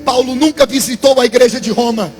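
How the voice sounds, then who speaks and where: A man with a Brazilian Portuguese accent preaching a Pentecostal sermon in a large church, shouting in a sing-song cadence and calling for responses from the crowd. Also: very high-pitched, fairly quick, in a large hall, soft background music.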